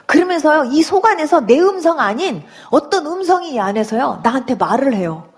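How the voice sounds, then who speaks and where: A woman giving an emotional religious testimony, telling her story with animated storytelling and acting out her own past words. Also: high-pitched, a little fast. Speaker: church testimony speaker.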